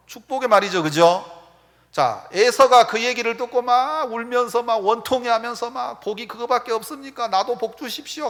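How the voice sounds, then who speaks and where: A man's voice: high voice, fairly bright tone. A male pastor preaching a sermon at a retreat center, questioning his congregation and drawing out his emphasis. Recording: echoey hall.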